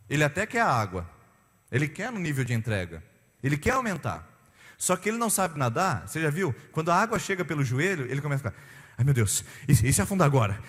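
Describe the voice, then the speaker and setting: Pastor guy preaching, higher voice, super lively, church reverb ringing. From Brazil. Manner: animated, acts out voices of beachgoers. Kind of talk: sermon.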